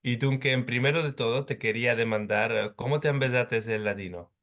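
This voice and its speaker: A man's voice: medium pitch, fairly quick, fairly bright tone. A man hosting an online interview, asking questions and encouraging his guest with frequent short listening sounds. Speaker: host, interviewer. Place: home in London.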